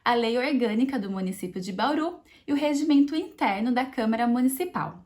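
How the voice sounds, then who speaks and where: A woman's voice: fairly high pitch, darkish tone. A woman with a Brazilian Portuguese accent giving a recorded exam-prep lesson, explaining step by step in a friendly way and often checking in with her viewers.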